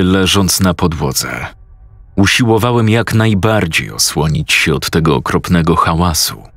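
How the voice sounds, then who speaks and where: A man narrating a scripted horror story in a tense, measured voice, close to a studio mic. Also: low voice, creaky, a bit bright, no room sound.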